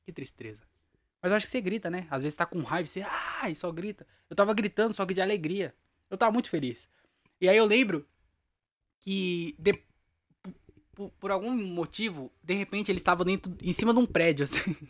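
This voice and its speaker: Brisk and high-pitched, a young man carries his solo podcast with a long, wandering anecdote told in casual slang, laughing at himself along the way. The studio sound is clean, with no echo.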